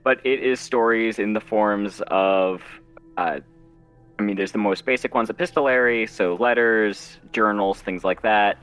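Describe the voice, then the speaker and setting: A man chatting casually as an interview guest, halting and self-deprecating as he explains his writing work. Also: on the low side, a bit bright, clean tone, faint music behind. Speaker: guest author and zine editor.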